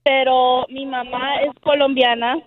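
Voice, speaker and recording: Bubbly high-voiced woman on a phone line. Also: flat delivery, unhurried, crowd noise. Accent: Texan. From United States. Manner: chatty, laughing between bilingual stories. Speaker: caller. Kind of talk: phone-in call.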